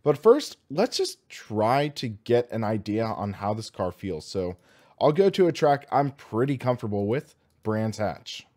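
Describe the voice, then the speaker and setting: A young American man hosts a livestream in a casual, upbeat way. His voice sits at an average pitch and is slightly hoarse. He talks informally and with enthusiasm, as if chatting to friends. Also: big pitch swings, measured pace, darkish tone. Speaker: host of a sim racing livestream.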